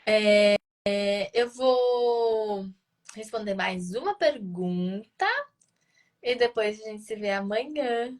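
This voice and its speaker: A woman's voice: medium pitch, slow, darkish tone. A woman answers parents' questions in a live session, explaining patiently and posing rhetorical questions she then answers. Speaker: child speech-development educator answering parents' questions.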